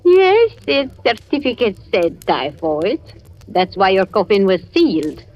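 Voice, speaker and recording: Sly older gossip in a dull old radio play, slow with big swoops in pitch. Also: female voice, very animated. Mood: insinuating. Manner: insinuating, slow and pointed. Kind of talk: 1940s radio acting. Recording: lo-fi vintage radio recording.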